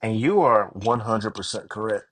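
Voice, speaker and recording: A man's voice: on the low side, normal speed, fairly bright tone. A man speaking as an author guest in a casual interview, telling stories earnestly and self-deprecatingly and voicing his own thoughts. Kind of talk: casual, animated interview chat.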